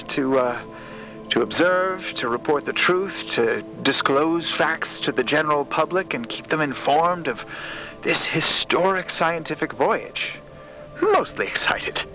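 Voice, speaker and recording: Flustered, high-voiced young-hearted reporter. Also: male voice, sharp tone, exaggerated voice, poor audio. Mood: earnest, anxious. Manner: flustered, stammering, effusively polite. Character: nervous, eager, apologetic journalist on a cosmic expedition. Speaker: actor in a fiction podcast. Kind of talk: naturalistic audio drama acting.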